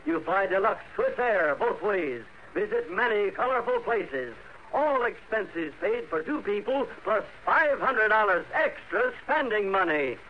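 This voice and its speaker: A man's voice: high-pitched, lively intonation, a little slow. A man playing an emphatic co-announcer reeling off prizes in a 1950s radio commercial. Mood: upbeat, selling. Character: crisp male co-announcer listing contest prizes. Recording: noisy, dull vintage radio broadcast.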